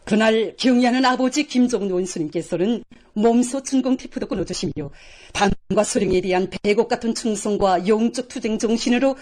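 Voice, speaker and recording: High-pitched North Korean woman news announcer. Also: darkish tone. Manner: solemn, reverent, declamatory delivery. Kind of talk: formal scripted news narration.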